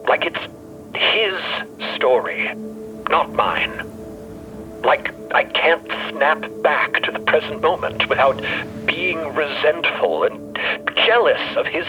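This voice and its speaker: An actor playing a troubled, brooding scholarly explorer in an artificial undead body, speaking haltingly and theatrically in an audio drama. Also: male voice, a little high, lo-fi sound.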